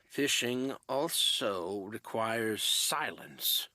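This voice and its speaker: Gruff old fisherman, taciturn and patient, game role; forceful tone, dry close recording. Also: on the low side, animated, extremely slow, no echo, full character voice. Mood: stern, patient. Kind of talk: video game voice acting.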